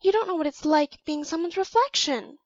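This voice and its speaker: A woman's voice: very high-pitched, lively intonation, fairly quick, dry recording. A woman playing a defiant, scheming mirror-image clone in an audio drama. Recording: dull, lo-fi home microphone.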